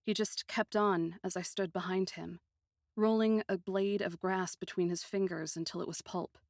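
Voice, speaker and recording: A woman narrating a first-person fantasy story in an expressive, literary manner with deliberate phrasing. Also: on the low side, dry recording, clean studio sound.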